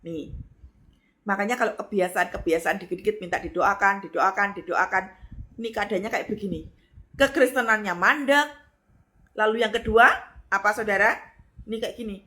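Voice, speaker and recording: A middle-aged woman pastor, preaching a lively sermon and acting out voices with sudden high exclamations. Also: moderate pace, pauses often.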